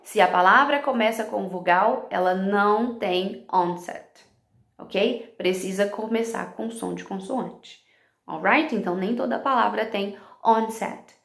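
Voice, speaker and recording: A woman's voice: medium pitch, unhurried, creaky, a bit bright, echoey room. A woman teaching other teachers about phonological awareness. She explains step by step, checking in with "ok?" and using English words along the way.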